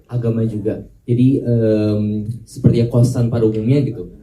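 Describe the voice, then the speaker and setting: A young man from Palembang, an actor at a press conference, halting and quick to laugh. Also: lowish voice, little pitch movement, warm tone, echoey room, low-quality recording. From Palembang, Sumatra. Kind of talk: casual chat.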